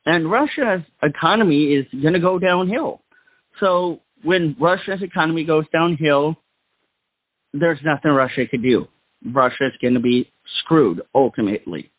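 A man's voice: on the high side, lively intonation, moderate pace, breathy edge, no room sound, phone-quality sound. A man hosting a talk show, giving casual radio-style commentary.

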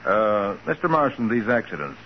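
An actor playing a dogged, authoritative private detective in a brisk, insistent 1940s radio crime drama style. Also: male voice, on the low side, very animated. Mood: determined, polite. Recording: muffled, noisy 1940s radio recording.

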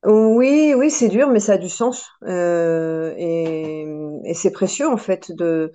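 French woman in her forties, podcast guest, lowish mellow voice, reflective with frequent restarts. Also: slow. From France. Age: 40s. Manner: thoughtful, many hesitations and restarts. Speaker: guest, personal development coach. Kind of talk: podcast interview.

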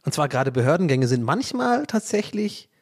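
This Dublin man in his thirties, a native English speaker, hosts his own podcast with a fairly high voice that swings widely in pitch at a moderate pace. His chat rambles and mocks himself, packed with fillers, restarts and playful swearing.

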